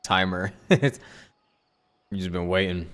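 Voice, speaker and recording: A man's voice: low voice, takes it slowly, a bit bright. A man giving chatty, reactive live commentary as a game streamer. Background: game music.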